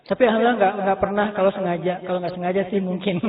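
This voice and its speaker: A man's voice: sits high, fairly even intonation, fast talker. A man giving a casual, joking sermon and acting out bits of dialogue. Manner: chatty and joking, acts out dialogue. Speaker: preacher. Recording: tinny phone-like, roomy echo.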